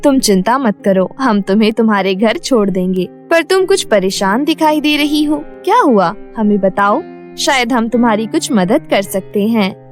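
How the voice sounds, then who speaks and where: A woman voicing a kind, caring fairy who speaks in a soft, soothing, lowered voice. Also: lively intonation, moderate pace, soft background music, natural voice.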